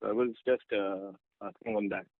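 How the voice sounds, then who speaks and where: A man's voice: on the low side, fairly even intonation, brisk, dry recording. A man asking questions as an analyst on an earnings call, in a tentative, hesitant way. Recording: dry, muffled phone line.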